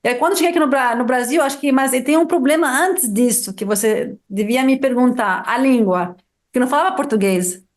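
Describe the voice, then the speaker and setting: Brief: middle-aged woman, high voice, Arabic native speaker from Lebanon, chatty guest, lively storyteller with restarts. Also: a little fast. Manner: lively storyteller, many restarts and "sabe?" tags. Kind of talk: casual interview chat.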